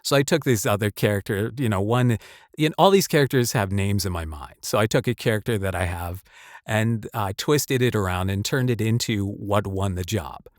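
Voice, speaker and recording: A man, a voice actor, chatting casually about his work in a halting, rambling way with repeated words. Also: lowish voice, no room sound, clean studio sound. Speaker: voice actor and channel host. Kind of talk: casual chat, personal anecdote and advice.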